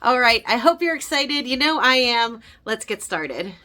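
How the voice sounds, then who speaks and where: A woman's voice: on the high side, lively intonation, measured pace, pushed and bright. A woman hosting a craft channel, walking through a tutorial step by step in an upbeat, chatty way, her voice a little nasal because she is getting over a cold.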